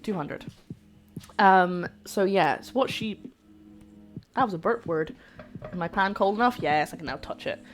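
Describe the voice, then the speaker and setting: A woman's voice: lowish voice, animated, a little slow, pauses often, faint music behind. A young woman with a light Scottish accent, chatting casually to her viewers while cooking in her kitchen on a live stream. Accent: light Scottish-English mix. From Scotland. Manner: chatty, rambling, talks to chat. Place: home kitchen.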